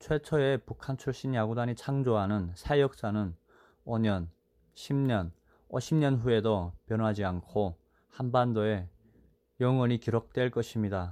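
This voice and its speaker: Very slow, medium-pitched speech from a man, dark and mellow, with ordinary pitch variation and long, frequent pauses, in a very clean, dry, close recording with no echo and a silent background. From North Korea. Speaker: youth baseball team manager, defector. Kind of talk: interview. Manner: formal.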